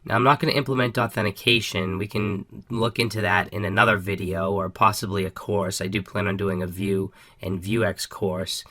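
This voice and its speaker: Upbeat man with a bright, slightly raspy voice. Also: lowish voice, steady tone, moderate pace, few pauses. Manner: upbeat, casual, frequent ums and restarts. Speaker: coding tutorial host. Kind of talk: screen-recorded coding walkthrough.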